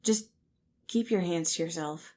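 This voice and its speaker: A sullen, guarded man as a woman reads him, in a fairly low register. He talks curtly and warily, giving ground only grudgingly, as a character in an audio story. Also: a little slow, dark tone. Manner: curt, wary, grudging.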